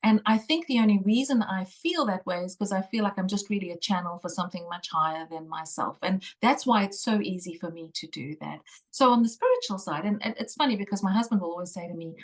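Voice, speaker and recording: A middle-aged woman from South Africa talks as an interview guest over a video call. Her voice sits at an ordinary pitch for a woman. She speaks earnestly and with emphasis, telling stories in a lively way and dropping in the odd mild curse. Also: fast, hardly any pauses. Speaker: guest, intuitive tarot reader. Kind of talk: conversational interview.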